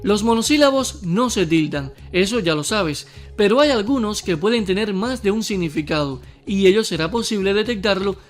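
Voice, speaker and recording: A man teaching a scripted spelling lesson, speaking clearly and deliberately to the viewer and slowing down to spell out each example word. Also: high voice, animated, faint music behind.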